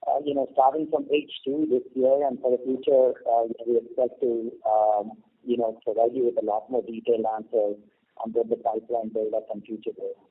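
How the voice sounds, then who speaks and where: Husky male executive on a phone line. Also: medium pitch, little pitch movement, fairly quick. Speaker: company executive answering analysts. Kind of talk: earnings call answers. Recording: muffled, narrow phone conference line.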